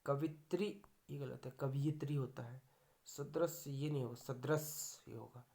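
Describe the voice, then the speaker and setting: A man's voice: mid-range voice, fairly even intonation, a little slow, creaky, mellow. A man teaching a grammar lecture for exam students, going through correct and wrong spellings word by word.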